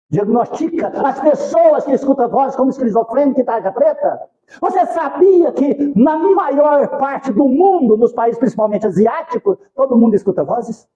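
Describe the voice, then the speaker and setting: A man's voice: very high-pitched, warm tone, muffled recording. A Brazilian man giving an informal spiritist talk, telling folksy stories, acting out dialogue and asking rhetorical questions. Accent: Brazilian Portuguese. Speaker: spiritist lecturer. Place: spiritist centre hall.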